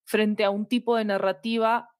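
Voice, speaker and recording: A woman's voice: mid-range voice, little pitch movement, normal speed, no echo, studio quality. A woman with a Latin American Spanish accent talking conversationally as an interview guest, explaining things reflectively and often checking in with tag questions. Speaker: podcast guest discussing audio fiction.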